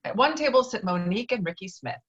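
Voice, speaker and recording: Over dull, lo-fi video call audio, a woman narrates screenplay stage directions at a table read. Her medium-pitched voice is animated and quick.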